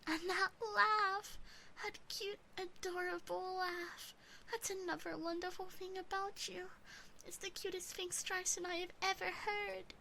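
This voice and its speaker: A woman voicing a teasing, obsessive yandere demon sister in an ASMR roleplay, breathy and often whispering, gently doting and possessive. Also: sits high, steady tone, a little slow, a little hiss or hum, rough recording. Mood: adoring.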